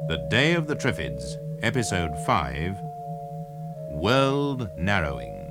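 Low-voiced British radio announcer, a man. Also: wildly swooping pitch, slow pace. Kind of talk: 1960s radio announcing, formal and deliberate. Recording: old radio recording under loud music.

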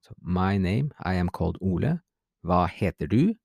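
Low gravelly guy hosting a language podcast, laid back, reads phrases slow then translates, dry close mic. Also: animated, a little mellow, dry recording. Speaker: podcast host, language teacher. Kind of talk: casual spoken language lesson.

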